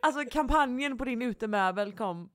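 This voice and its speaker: A woman's voice: a little high, expressive, a bit bright, no room sound, studio quality. A young woman co-hosting a casual podcast chat, teasing and playful, who plays along with her friend. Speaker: podcast co-host.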